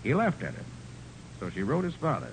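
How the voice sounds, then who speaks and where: An actor playing a confident, commanding private detective with a brisk, authoritative manner in a 1940s radio crime drama. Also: male voice, wildly swooping pitch. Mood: explanatory, assured. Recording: noisy rumbling 1940s radio recording.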